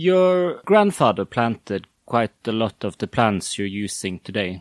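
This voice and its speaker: A man with an unremarkable speaking voice and a medium pitch talks at a fairly slow pace with lively intonation. The sound is dry and close, with no echo. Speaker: interviewer. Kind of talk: casual interview.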